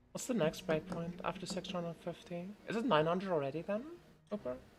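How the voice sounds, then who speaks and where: Over music in the background, a woman talks at a fairly quick pace. Her pitch is medium, with ordinary variation. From South Africa. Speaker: game streamer. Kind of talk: casual chat. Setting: live stream. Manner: halting.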